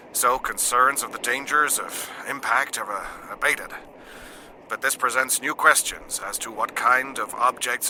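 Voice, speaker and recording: A formal radio news announcer reads breaking bulletins in a radio play, his voice sitting at a middling pitch. Steady, measured and official in delivery. A clear hiss of noise runs under the recording. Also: low-quality recording. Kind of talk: 1950s-style radio drama acting.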